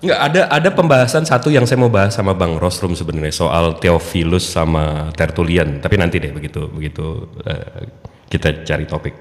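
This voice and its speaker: A man's voice: low voice, brisk, long reverb tail. A man casually hosting an online debate, joking and chatty. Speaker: debate host.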